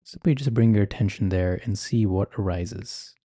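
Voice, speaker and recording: Very mellow, soft male meditation guide. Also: on the low side, no echo, studio quality. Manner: gentle, measured, unhurried phrasing with soft instructions.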